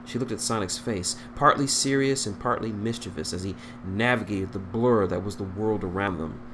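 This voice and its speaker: Low-voiced man narrating, noisy recording. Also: moderate pace, fairly bright tone. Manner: stumbles over words. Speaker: fan fiction reader. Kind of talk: amateur story narration.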